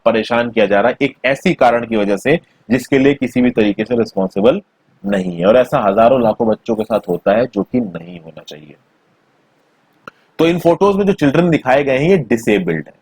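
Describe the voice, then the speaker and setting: A man teaching a school textbook chapter in a conversational way, mixing in English terms, recorded on a close mic in a small quiet room. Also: mid-range voice, breathy edge, no room sound. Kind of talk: textbook lesson explanation.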